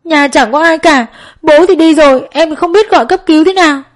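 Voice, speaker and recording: A woman's voice: a little fast, natural voice. A woman voicing a panicked young woman who is crying and pleading for help. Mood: sobbing, panicked. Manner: high, shaky and pleading.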